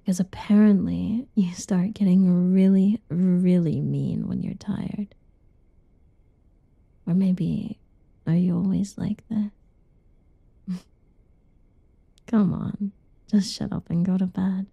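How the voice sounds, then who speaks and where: A young woman doing a whispered ASMR roleplay in a soft, teasing whisper, recorded close and dull. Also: on the low side, steady tone, slow, creaky, pauses often, husky, dry recording.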